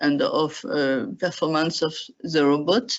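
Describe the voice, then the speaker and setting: With a French accent, a woman speaks at a fairly low pitch and a very slow pace. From Belgium (French-speaking). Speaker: researcher. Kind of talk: presentation. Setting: online video call. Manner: hesitant, many filler sounds.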